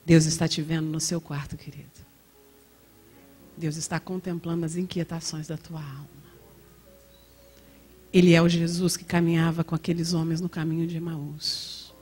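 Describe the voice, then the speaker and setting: A Brazilian woman pastor preaching in a church, telling a personal story with lively quoted dialogue. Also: deep voice, husky. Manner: storytelling with acted quotes and laughter. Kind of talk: testimony sermon.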